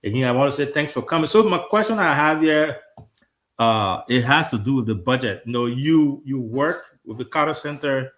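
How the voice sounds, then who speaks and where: A man's voice: mid-range voice, lively intonation, normal speed, fairly bright tone. A Liberian man in his thirties with a Liberian accent, hosting a talk show in an earnest, conversational way and often repeating words as he restarts. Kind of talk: casual talk show discussion.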